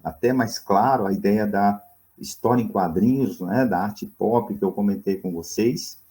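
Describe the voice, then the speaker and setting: A man's voice: fairly low pitch, normal speed, mellow. A man with a Brazilian accent teaching a recorded history lesson, talking conversationally with many fillers and questions to his students. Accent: Brazilian Portuguese.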